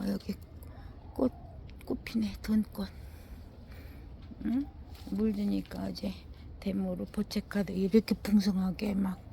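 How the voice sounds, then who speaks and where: A woman with a slow, unhurried delivery and a gravelly edge to her voice strolls through her indoor winter garden, remarking on each plant. She sighs and exclaims as she goes, and often talks straight to the plants. A faint hiss of background noise sits under the recording. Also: medium pitch, darkish tone. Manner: talks to plants and scolds her dog, frequent sighing exclamations. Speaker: gardening vlogger. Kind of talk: casual commentary touring her plants.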